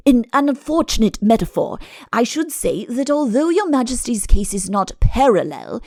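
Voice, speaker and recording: High, wordy, deferential royal chancellor woman acting. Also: very animated, moderate pace, darkish tone, no echo, clean studio sound. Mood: pleading, deferential. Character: obsequious, long-winded royal chancellor, male, cautious. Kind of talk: audiobook comic character acting.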